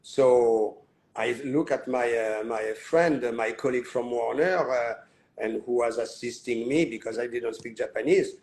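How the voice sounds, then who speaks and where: A man hosting a live online interview, talking in a halting way with many fillers and restarts. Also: medium pitch, a little mellow, rough recording. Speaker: host.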